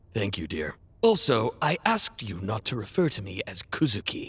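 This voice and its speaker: A raspy, put-on character voice from a man, medium in pitch, at a moderate pace. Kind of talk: comedic parody dub. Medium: dub.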